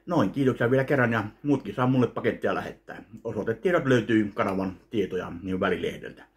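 A man in his thirties opening fan mail in his kitchen in a casual vlog, commenting slowly with wry self-mockery into a webcam. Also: on the low side. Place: home kitchen, indoors. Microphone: webcam in front of him.

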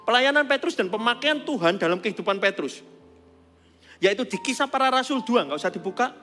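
Male pastor with a high-pitched voice, casual preaching that builds to emphatic outbursts, echoing hall. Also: expressive, fairly quick, faint music behind. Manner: conversational preaching, swings from quiet to loud and emphatic. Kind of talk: sermon. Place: church auditorium.

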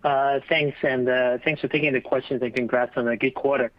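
A man's voice: medium pitch, fairly even intonation, brisk, no echo. A man asking questions as a financial analyst on an earnings call. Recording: dull lo-fi phone call audio.

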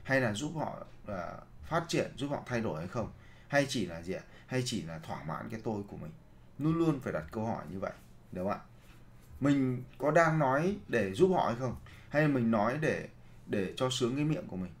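Fairly quick and full of big pitch swings, this man's mid-range voice carries a seminar lecture on leadership. As a trainer, he asks rhetorical questions and answers them himself, repeating key phrases for the audience.

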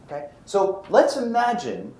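An older man from Brooklyn giving a university physics lecture, animated and often checking in with his students. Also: high-pitched, unhurried. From Brooklyn, New York. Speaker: physics professor. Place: lecture hall. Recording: roomy lecture hall, faint noise.

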